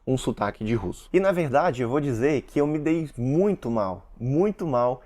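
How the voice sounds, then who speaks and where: A man's voice: medium pitch, lively intonation, moderate pace, a little mellow. A man from Russia, a Russian teacher and content creator with Russian as his first language, talking casually to camera and explaining with examples and asides to viewers.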